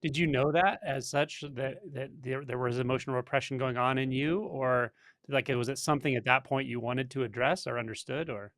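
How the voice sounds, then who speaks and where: A man hosting a channel interview, asking loose, gentle questions with a few fillers. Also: medium pitch, steady tone, a little fast. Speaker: host.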